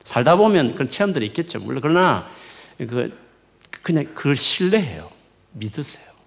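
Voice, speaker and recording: A man preaching a midweek sermon in a conversational, coaxing way, with many rhetorical questions and sharp swings in emphasis. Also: mid-range voice, normal speed, creaky. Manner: lively, rising and falling emphatic preaching. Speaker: pastor.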